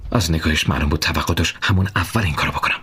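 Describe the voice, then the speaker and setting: Man narrating an audiobook, very deep voice, heavily raspy, tense first-person storytelling. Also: fairly bright tone.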